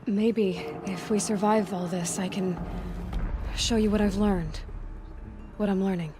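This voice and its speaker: A woman's voice: medium pitch, fairly even intonation, unhurried, background noise, natural voice. A woman playing a guarded, plain-spoken young tribal hunter in a game, firm and wry. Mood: gentle, reserved. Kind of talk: game cinematic acting.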